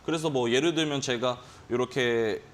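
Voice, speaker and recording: A man's voice: medium pitch, moderate pace. A man teaching day trading on a finance show, explaining at length and acting out his own gut reactions with quoted exclamations. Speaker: stock trading instructor. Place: broadcast studio.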